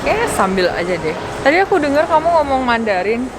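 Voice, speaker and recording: A woman's voice: high-pitched, very animated, brisk. A woman in her twenties hosting a casual travel vlog, laughing often and slipping English into her talk. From Indonesia. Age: 20s. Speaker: vlogger host. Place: outdoors in a busy city area and a fast-food restaurant. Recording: noisy street and restaurant, loud music. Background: loud music and crowd.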